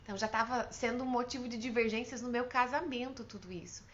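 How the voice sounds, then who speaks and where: A woman's voice: fairly high pitch, fairly even intonation, fast, dull audio, a little hiss or hum. A woman with a Brazilian Portuguese accent, a mother hosting a parenting advice talk, speaking earnestly and with emphasis in a coaching tone. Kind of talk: direct-to-camera advice talk.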